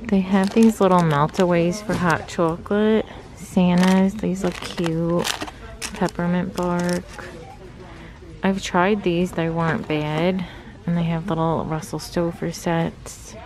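A woman's voice: fairly low pitch, little pitch movement, slow, darkish tone. A woman in her thirties chatting through a face mask as she browses shelves with her phone camera. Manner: chatty, musing aloud while browsing. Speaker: vlogger. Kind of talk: casual shop-with-me narration. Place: large store indoors. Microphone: handheld phone camera. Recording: noisy store ambience.

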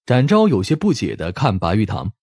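A man's voice: fairly low pitch, huge pitch swings, a little fast, darkish tone, breathy edge, no echo, studio quality. A man reading scripted audiobook narration in a dramatic storytelling style.

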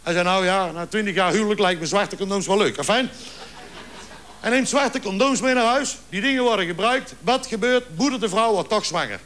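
Brief: male joke teller, high-pitched, acts out every character in his stories. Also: a little fast, slight background noise. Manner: lively storyteller acting out dialogue. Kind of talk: stand-up joke telling.

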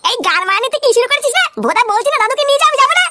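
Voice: extremely high pitch, lively intonation, rapid-fire, very noisy. An actor playing a foul-mouthed, boastful little father in a comic cartoon dub, blustering and quarrelsome. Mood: irritated. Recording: loud music behind the voice.

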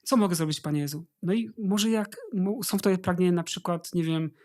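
A man's voice: sits high, a little fast, a little mellow. A man giving informal spiritual advice as a guest, earnestly urging listeners and addressing them directly. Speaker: interview guest, religious brother.

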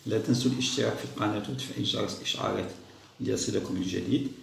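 A man patiently walking young schoolchildren through a test, repeating each answer slowly. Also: lowish voice, fairly even intonation, vocal fry, echoey room, slight background noise. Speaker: teacher solving a school test. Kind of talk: step-by-step lesson for young children.

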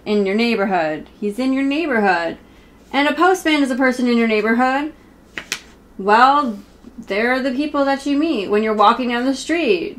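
A woman in her thirties with a fairly high voice reads a children's picture book aloud. She talks informally and straight to her young listeners, in the manner of a homemade story video. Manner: informal, self-interrupting, speaks directly to young viewers. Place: small room at home, indoors.

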